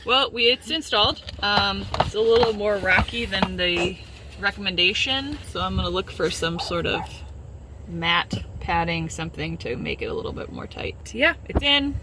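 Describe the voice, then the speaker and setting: A woman's voice: medium pitch, normal speed. A woman expecting a baby, chatting casually and laughing as she talks. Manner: relaxed, laughing. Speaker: expectant parent. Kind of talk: casual chat. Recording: noisy home video.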